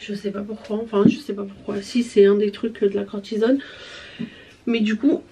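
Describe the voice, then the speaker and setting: A young woman, chatting casually while she gets ready, rambling with many fillers, her voice a bit hoarse after being ill. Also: mid-range voice, little pitch movement, moderate pace, dark tone. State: slightly hoarse voice after illness. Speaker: vlogger.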